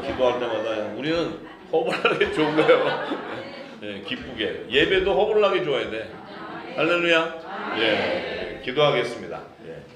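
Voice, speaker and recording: A man from Busan, preaching a sermon as pastor in a jovial, laughing manner and reading scripture. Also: mid-range voice. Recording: echoey church hall with congregation. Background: congregation answering amen.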